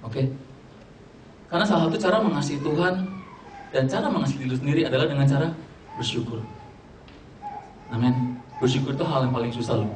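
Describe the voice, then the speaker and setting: A man's voice: mid-range voice, quick pace, long pauses, noisy background. A young man preaching a casual sermon, mixing slang and English and joking with his audience. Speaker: youth preacher. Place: church hall. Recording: echoey hall, distant mic, faint ambience.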